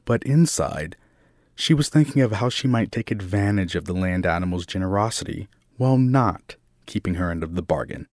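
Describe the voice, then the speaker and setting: A man reading a children's story aloud in an expressive narration, slowing down for dramatic moments. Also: sits low, no room sound, clean studio sound. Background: soft classical music.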